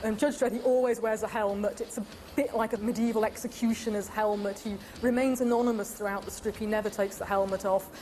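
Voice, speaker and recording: A woman's voice: medium pitch, fairly even intonation, fast, warm tone, a little hiss or hum. A woman in a documentary interview, explaining in a reflective way.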